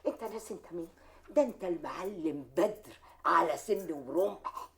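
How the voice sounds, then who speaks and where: A woman's voice: high-pitched, brisk, darkish tone, a little hiss or hum, natural voice. An actress with an Egyptian accent playing an older, doting mother who pleads with and tenderly coaxes her grown son. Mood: pleading. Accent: Egyptian Arabic. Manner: pleading, then tenderly coaxing. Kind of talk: TV drama acting.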